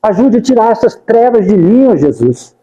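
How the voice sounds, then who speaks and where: In the roomy hall of a spiritist center, a lecturer's high, mellow voice rings out with long reverb as he delivers a devotional talk. His moderate-paced, sing-song prayers are fervent and pleading, returning again and again to the name of Jesus.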